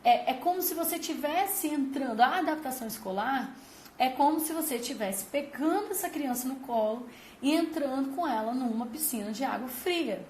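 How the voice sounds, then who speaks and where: High-voiced woman giving parenting advice. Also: darkish tone, slight background noise. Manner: emphatic, explains with vivid comparisons. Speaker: parenting channel host. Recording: roomy echo with faint ambience.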